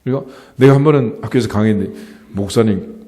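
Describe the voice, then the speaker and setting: A middle-aged male pastor preaching a sermon in a lively, conversational way, often asking the congregation rhetorical questions. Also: medium pitch, brisk. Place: church sanctuary. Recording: church hall with long reverb.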